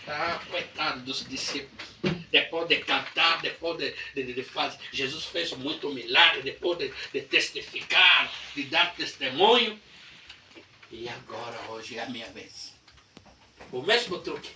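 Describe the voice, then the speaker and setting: A male pastor from Brazil preaching a sermon with dramatic storytelling that swings between hushed lines and shouts. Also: medium pitch, measured pace, slight background noise. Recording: echoey church heard from a distance.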